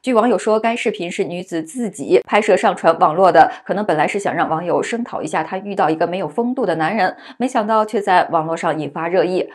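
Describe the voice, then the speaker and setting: A woman giving scripted news narration in a brisk, even reading delivery. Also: on the low side.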